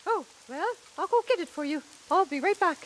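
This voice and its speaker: A woman voicing a fussy, excitable storybook monarch in a puppet show, bossy and full of exclamations. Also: very high voice, a little fast, a little hiss or hum. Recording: puppet show with music behind.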